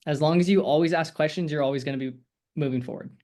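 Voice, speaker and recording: A man's voice: on the high side, quick pace, darkish tone. A man coaching a group on a video call, talking casually in a rambling, encouraging way with lots of fillers. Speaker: sales coach.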